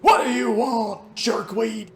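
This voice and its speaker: A cranky old geezer in a parody news sketch, with a very high voice that lurches around. He is suspicious and blurts things out crossly. The sound is roomy and echoing. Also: animated, slow, heavily acted. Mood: irritable. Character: cranky old man, the host's future self. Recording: echoey room with background noise.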